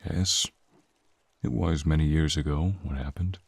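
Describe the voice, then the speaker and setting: A man voicing a gruff, protective white dragon brother in an ASMR roleplay, talking bluntly. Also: a bass voice, unhurried, darkish tone, dry recording, voice pushed down, heavily acted. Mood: protective, bitter.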